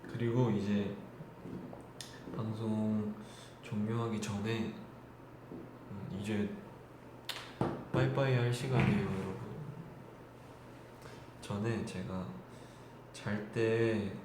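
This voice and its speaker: Hosting a live stream, a twenty-something idol chats and laughs with fans in polite, casual talk. His fairly low voice stays steady, moving slowly with long pauses. Strong echo and clear background noise fill the recording.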